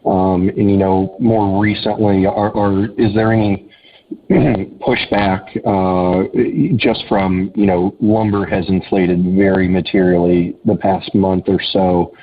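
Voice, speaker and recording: A man calling in as an analyst to an earnings call, asking questions in a halting way with stammered restarts. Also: low-pitched, steady tone. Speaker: analyst caller. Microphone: phone. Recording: tinny phone line with faint noise.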